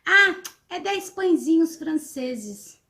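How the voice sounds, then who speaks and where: A high-voiced middle-aged woman talks to students. She explains patiently but hesitantly, with many fillers and restarts along the way. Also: lively intonation, slow, pushed and bright. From São Vicente, Brazil. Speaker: interviewee, teacher.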